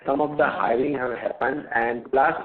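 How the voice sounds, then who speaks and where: An Indian man speaking as a company executive, giving unscripted answers to analysts in a halting way, often repeating words. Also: mid-range voice, fairly even intonation, background noise. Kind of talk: unscripted earnings call answers. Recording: narrow, tinny phone line.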